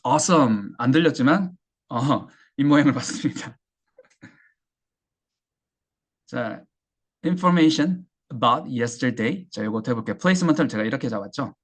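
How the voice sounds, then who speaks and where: A man teaching an English listening lesson, talking haltingly with fillers and slowly drilling phrases. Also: mid-range voice, lively intonation, breathy edge. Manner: halting, with many fillers and restarts.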